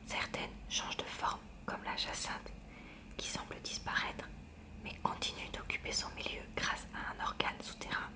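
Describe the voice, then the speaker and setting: Woman reading in a hushed library whisper. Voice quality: breathy, unvoiced library whisper. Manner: hushed, careful, measured reading. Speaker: ASMR reader. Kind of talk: soft ASMR read-aloud of a school science textbook.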